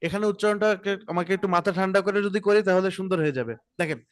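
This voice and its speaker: A man's voice: high voice, fast talker. A man teaching a Quran pronunciation class over a video call, patiently modelling letter sounds for students to repeat. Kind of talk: online class, pronunciation drills.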